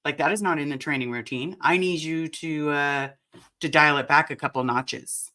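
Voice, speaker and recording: A low-pitched woman with a raspy, bright, forceful voice hosts a casual live chat. She talks quickly and animatedly, turning often to address her viewers. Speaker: livestream host.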